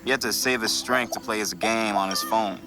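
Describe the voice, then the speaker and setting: A man's voice: fairly low pitch, steady tone, brisk, over music, lightly acted. An actor in his twenties playing a sarcastic, comic-book-loving young husband in a naturalistic comedy audio drama. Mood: wry, exasperated. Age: 20s. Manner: wry, teasing, exasperated.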